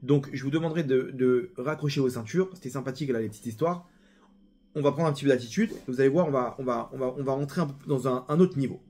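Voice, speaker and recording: A young man teaching a sermon-style Torah class, animated and storytelling, speaking straight to his listeners. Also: medium pitch, quick pace. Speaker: rabbi teacher.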